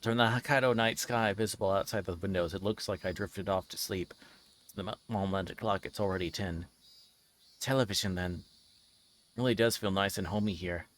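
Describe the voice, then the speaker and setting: A man's voice: deep voice, moderate pace, fairly bright tone. A man livestreaming a visual novel, chatting casually and reading aloud, sometimes stumbling over his words. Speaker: streamer.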